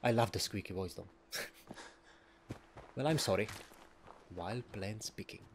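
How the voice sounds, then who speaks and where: A man's voice: lowish voice, unhurried, slight background noise. A man giving casual, rambling commentary while playing a video game, often chuckling. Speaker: let's play gamer.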